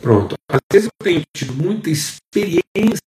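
A Brazilian man preaching a sermon as pastor, with repeated phrases and emphatic rises in pitch. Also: very animated, normal speed, darkish tone, roomy sound. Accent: Brazilian Portuguese.

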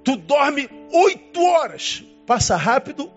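A man preaching a sermon as pastor, emphatic, with dramatic swings in pitch and long pauses. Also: very animated, muffled recording, faint music behind.

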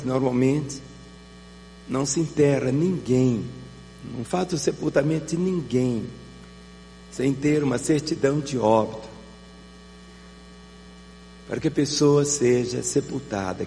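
A man's voice: medium pitch, a little slow, pauses often, mellow, soft background music. A male pastor with a Brazilian accent preaching a sermon, emphatic and full of repeated rhetorical questions. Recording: reverberant hall with faint mains hum.

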